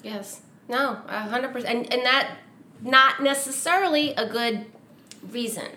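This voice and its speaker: A woman's voice: on the high side, unhurried, bright, forceful tone. A woman co-hosting a podcast, chatting casually in a thoughtful way and laughing easily. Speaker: podcast co-host. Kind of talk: casual chat. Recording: echoey room, faint hiss.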